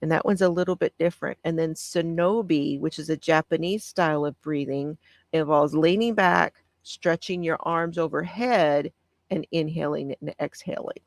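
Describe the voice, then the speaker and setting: Soft-voiced woman, slightly gravelly. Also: low-pitched, dry recording. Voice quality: soft calming voice. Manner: gentle, reads aloud with pauses and answers viewer comments. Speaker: craft channel host. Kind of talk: casual live-stream talk on breathing exercises.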